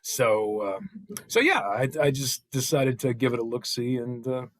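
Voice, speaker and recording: A middle-aged man chatting casually on a video call, often pausing partway through his sentences. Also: mid-range voice, expressive, fairly bright tone. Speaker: table read participant. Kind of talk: casual chat.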